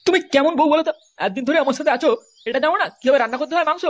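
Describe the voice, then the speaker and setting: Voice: sits high, very fast, lightly acted. A performer voicing a boastful, short-tempered poor husband in a comedy cartoon, foul-mouthed and insulting, with a West Bengal accent. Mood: exasperated. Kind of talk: amateur comedy cartoon dialogue.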